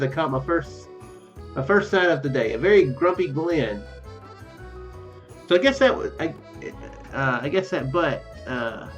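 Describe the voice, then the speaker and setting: A man's voice: medium pitch, dull audio. A man giving casual let's play commentary and reading game text aloud, hesitant and rambling, often repeating his phrases. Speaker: YouTube game player. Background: game music.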